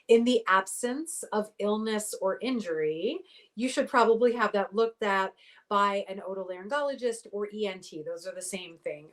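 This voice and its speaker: Middle-aged woman expert, clear and explanatory, mid-range voice. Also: medium pitch. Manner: articulate, explanatory, uses athletic analogies. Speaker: voice pathologist guest. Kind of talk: interview answers.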